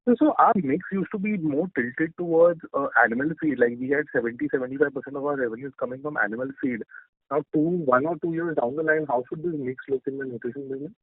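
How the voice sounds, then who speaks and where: A thin, dry telephone line carries a man. His pitch is average for a man. He speaks as an analyst posing questions on a company earnings call. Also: quick pace, dry recording. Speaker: financial analyst asking questions. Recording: dry, narrow phone-line audio.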